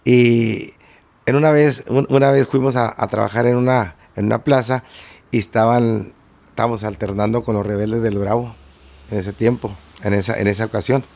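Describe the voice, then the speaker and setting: Gravelly-voiced man. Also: mid-range voice, fairly even intonation, moderate pace, a little mellow. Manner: rambling anecdotes with many fillers and restarts. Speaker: guest musician. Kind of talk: casual interview storytelling.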